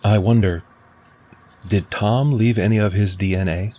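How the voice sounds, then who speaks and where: A wistful male android, as an actor plays him, low and soft-spoken with a reflective, searching way of talking. The voice sits deep, like a character from a retro science fiction radio play. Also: steady tone, measured pace, no echo. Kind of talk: radio drama acting.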